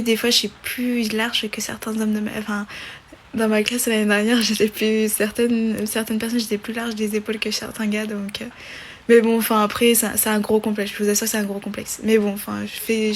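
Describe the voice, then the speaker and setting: A woman's voice: medium pitch, little pitch movement, a little fast, slight background noise. A woman in her twenties hosting a casual live stream on her phone, reading viewer questions aloud and chatting back with many fillers and restarts. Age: 20s.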